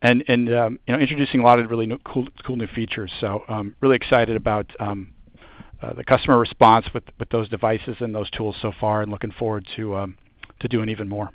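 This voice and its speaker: A man speaking as a company executive on an earnings call, informal and halting as he answers. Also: fairly low pitch, little pitch movement, dry recording. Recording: muffled conference call audio.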